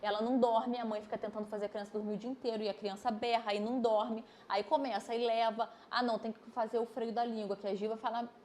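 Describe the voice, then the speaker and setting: High-voiced woman explaining with energy. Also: fast, hardly any pauses, a little hiss or hum. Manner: animated, explains step by step with examples. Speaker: osteopath and physiotherapist guest. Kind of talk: explanatory podcast conversation. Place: podcast studio.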